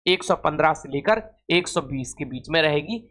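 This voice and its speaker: A man's voice: a little high, expressive, normal speed, fairly bright tone. A man teaching an informal exam-prep class, repeating phrases and asking questions that he then answers himself.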